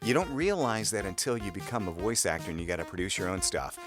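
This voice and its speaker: Animated low-voiced man hosting a podcast. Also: fast, over music. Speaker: podcast co-host. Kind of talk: conversational hosting and ad reads.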